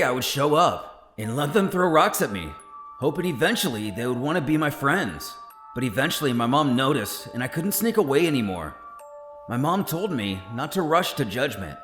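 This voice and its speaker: Man doing an earnest young fighter hero, raised pitch. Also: a bit bright, echoey room.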